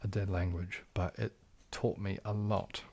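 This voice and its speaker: A young man hosting a casual livestream Q&A, soft-spoken and often slipping into a whisper. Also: deep voice, level tone, a little slow. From New Zealand. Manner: soft-spoken, drifting into whispers, frequent restarts. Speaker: ASMR livestream host.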